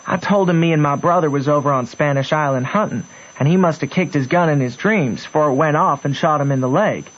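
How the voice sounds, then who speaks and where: A man's voice: a little high, fairly quick, dull audio, lightly acted. A man playing a plainspoken, unschooled Southern boy telling his story in a radio drama. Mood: folksy, wry. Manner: folksy, storytelling.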